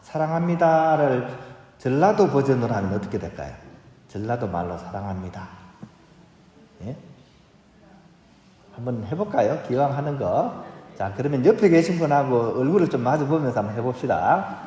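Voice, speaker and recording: Man, priest giving a homily, playful and coaxing, booming church reverb, long hall echo. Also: very animated, a little fast, mellow. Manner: playful, coaxing the congregation to join in. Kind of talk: Catholic Mass reading and homily. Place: large church.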